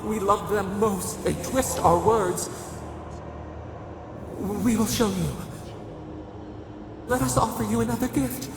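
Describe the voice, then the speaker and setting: Tormented old deity: very slow, gravelly, pleading yet menacing, drenched in long reverb. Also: mid-range voice, steady tone, noisy background. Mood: insistent, coaxing. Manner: slow, grieving, speaks of itself as we. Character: anguished ancient imprisoned god, collective, pleading and menacing. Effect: echoing reverberant god-voice processing. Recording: cavernous reverb, distant, music behind.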